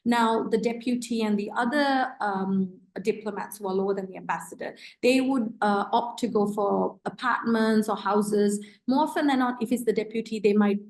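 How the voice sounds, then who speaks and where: A woman's voice: medium pitch, moderate pace, hardly any pauses, darkish tone. A woman born in Sri Lanka and raised in Britain, a guest on a podcast interview, chatting in a loose, thinking-aloud way with plenty of fillers. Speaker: guest, ambassador's spouse. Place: residence reception room.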